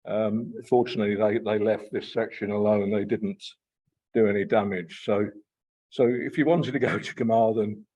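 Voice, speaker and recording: A man with a Black Country accent giving an informal lecture to a local society, halting and full of fillers and repeated words. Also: fairly low pitch, mellow, low-quality recording. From Black Country, England. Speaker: guest lecturer.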